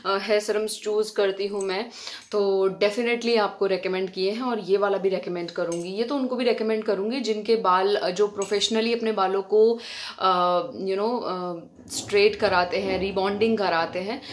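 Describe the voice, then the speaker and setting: A woman's voice: medium pitch, fairly even intonation, moderate pace. A woman from India giving a casual, chatty hair-care tutorial at home, talking straight to her viewers as friends. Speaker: beauty vlogger. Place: indoors at home, fan switched off.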